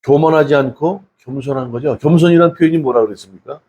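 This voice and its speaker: A man's voice: fairly high pitch, fast talker, warm tone, breathy edge, highs cut off. A male pastor giving a conversational sermon, asking the congregation many rhetorical questions and acting out the people in his stories. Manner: acts out quoted people in a casual spoken tone.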